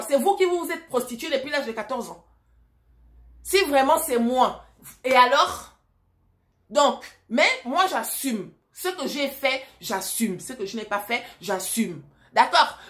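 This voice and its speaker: A woman's voice: high-pitched, fairly bright tone. A woman from Africa talking casually to her viewers in a direct, emphatic way, often asking them rhetorical questions. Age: adult, married mother. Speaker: vlogger and storyteller. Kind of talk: casual vlog monologue.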